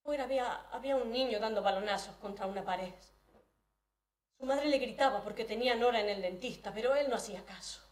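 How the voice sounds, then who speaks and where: A woman performs a first-person dramatic monologue at a live event, hesitant and often restarting her phrases. Her voice sits fairly high. She is heard from far off in a roomy hall. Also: fast, a little mellow. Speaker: storyteller.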